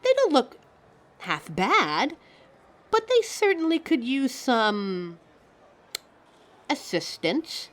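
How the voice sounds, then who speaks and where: A woman's voice: high-pitched, huge pitch swings, takes it slowly, long pauses, heavily acted. A woman playing a vain, easily offended talking fashion mannequin in a scripted audio roleplay, theatrical, condescending and fussy. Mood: intrigued, condescending. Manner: theatrical, condescending, fussy, calls listeners darling.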